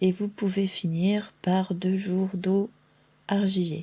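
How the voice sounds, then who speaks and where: A woman speaks very slowly at a medium pitch. Her tone is dark and mellow, and somewhat breathy. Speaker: ASMR podcaster. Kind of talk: ASMR soft-spoken podcast talking to camera.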